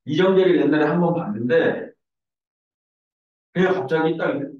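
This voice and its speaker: A man teaching math in a classroom, mixing the lecture with lively, joking stories. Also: fairly high pitch, moderate pace. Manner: animated, joking storyteller. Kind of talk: lecture mixed with casual anecdotes. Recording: echoey room, distant dull mic.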